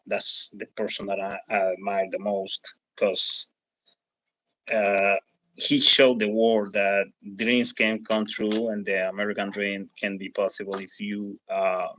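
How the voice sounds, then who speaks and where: A man with a Hispanic accent, a native Spanish speaker, giving live election results commentary as a livestream host, often halting and searching for words. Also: lowish voice, sharp tone, no echo, rough recording.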